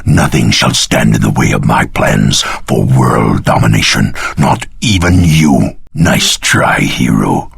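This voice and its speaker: An actor playing a vengeful, imperious sorcerer ruler in a fantasy video game, declaiming in a grandiose, theatrical manner. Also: male voice, very deep voice, takes it slowly, creaky, fairly bright tone, slightly rough, full character voice. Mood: smug menace.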